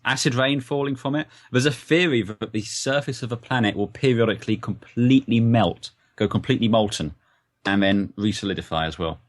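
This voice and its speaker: A man's voice: medium pitch, brisk. A man speaking as a podcast guest in casual chat, cracking jokes and swearing. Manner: wisecracking, sweary.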